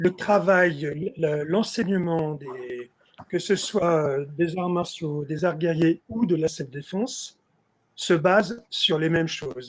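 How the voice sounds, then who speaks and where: A man speaks at a very slow pace with lively intonation. His pitch is high for a man. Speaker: martial arts instructor. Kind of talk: panel discussion.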